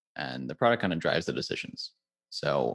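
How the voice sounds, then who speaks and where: With an American accent and vocal fry, the speaker moves at a fairly quick pace against a quiet background. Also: man. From Connecticut. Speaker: data consultant. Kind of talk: casual interview.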